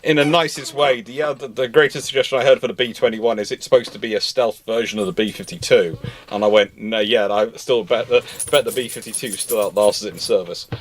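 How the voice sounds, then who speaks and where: A man's voice: medium pitch, fairly even intonation, brisk. A man hosting a conversational live debate, probing and often repeating his words.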